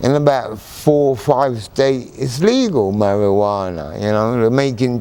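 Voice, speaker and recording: A man has a plain, everyday voice at a medium pitch. He keeps a moderate pace with ordinary pitch variation. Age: 60s. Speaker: drug user. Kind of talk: interview answer.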